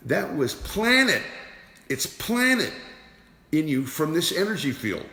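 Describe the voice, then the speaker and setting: A man's voice: fairly high pitch, big pitch swings, takes it slowly, gravelly, sharp tone. A man giving a motivational teaching talk as an energy awareness teacher, emphatic and repeating rhetorical questions. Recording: roomy with long reverb.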